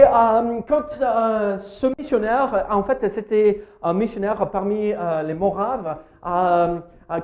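A pastor with an American accent preaches a sermon in a church hall, his voice high and mellow. He hesitates often, leaning on fillers, and asks his listeners questions.

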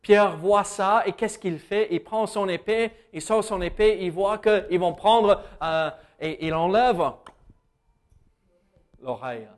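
A man's voice: sits high, slow pace. A man with an American accent, preaching a conversational sermon with many hesitations and self-corrections. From United States.

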